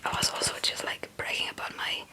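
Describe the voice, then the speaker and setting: A young woman, a native Dutch speaker, whispering breathily in a rambling, halting, casual ASMR chat. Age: young adult. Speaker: ASMR video creator.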